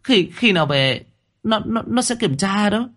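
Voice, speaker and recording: A man's voice: sits high, animated, unhurried, fairly bright tone, pitched above the performer's own voice. A man voicing a frightened, timid young woman who stammers and pleads. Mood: panicked.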